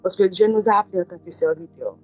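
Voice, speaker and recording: A woman's voice: fairly low pitch, fast, faint music behind, low-quality recording. A woman giving an informal, conversational sermon as a prayer leader. She switches between languages, laughs often and acts out quoted exchanges. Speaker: preacher leading midday prayer. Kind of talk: informal sermon, mixing Creole, French and English.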